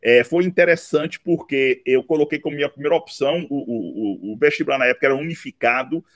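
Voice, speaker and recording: A man, recounting his life story in an interview, unhurried and dotted with tag questions. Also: mid-range voice, no room sound, clean studio sound. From Recife, Brazil. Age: 50s. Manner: unhurried, with frequent "né" tags and restarts. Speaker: interview guest, law professor. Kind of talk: relaxed autobiographical interview.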